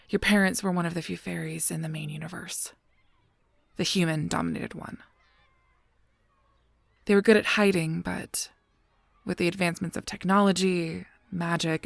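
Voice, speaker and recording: A woman playing a gentle, guarded guardian angel in a scripted audio roleplay, speaking softly and breathily in a measured, halting, solemn way. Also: lowish voice, flat delivery, no room sound, exaggerated voice. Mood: grave, careful. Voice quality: soft, breathy, often near a whisper.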